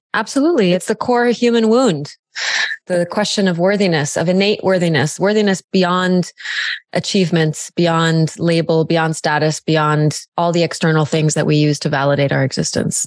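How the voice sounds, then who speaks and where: The voice moves at a moderate pace with ordinary pitch variation, recorded with a dry sound with no echo against a quiet background. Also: woman, fairly low pitch for a woman. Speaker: remote podcast guest. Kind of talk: interview answer. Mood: calm, reflective. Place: home room. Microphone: studio mic.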